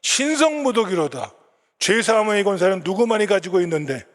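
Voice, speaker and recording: A man voicing indignant scribes who accuse someone of blasphemy, in a high, scandalized outcry. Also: expressive, fairly quick, long reverb tail.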